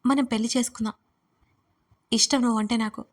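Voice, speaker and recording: Woman reading as a domineering young man, smug and threatening, audiobook dialogue, voice on the high side. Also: steady tone, fairly quick, close to an everyday voice. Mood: earnest.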